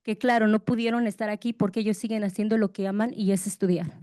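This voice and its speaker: A woman's voice: mid-range voice, fairly even intonation, rapid-fire, mellow. A woman giving a prepared plea as a community member at a public meeting.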